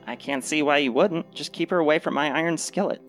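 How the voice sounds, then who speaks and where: A woman playing a wry, grumpy but fond lesbian wife in a radio play, terse and deadpan. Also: deep voice, fairly quick, faint music behind, lightly acted. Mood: wry, resigned.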